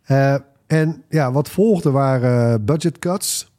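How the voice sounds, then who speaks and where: A man's voice: mid-range voice, slow, mellow. A man chatting casually as a podcast panelist, in a piecemeal, hesitant way with some English phrases mixed in. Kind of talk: casual opinionated chat.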